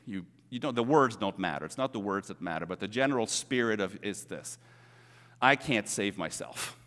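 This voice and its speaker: Preaching with sincere, conversational warmth, the middle-aged pastor leans on repeated words for emphasis. His voice is lowish with a fairly bright tone, recorded in a church sanctuary with lengthy hall reverb.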